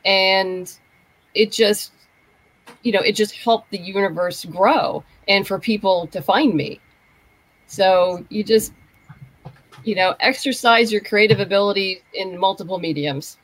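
A woman's voice: mid-range voice, unhurried, poor audio. A woman guest explaining her writing work in casual, conversational talk. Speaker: podcast guest, writer.

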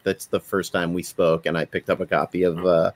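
A man's voice: deep voice, flat delivery, brisk. A man hosting a casual podcast over a video call, chatting with guests in a wry, lightly joking way. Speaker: podcast host. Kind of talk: casual chat, introducing guests.

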